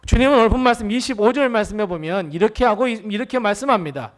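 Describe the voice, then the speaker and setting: Male preacher, high and very expressive, acting out quotes mid-sermon. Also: quick pace. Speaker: pastor.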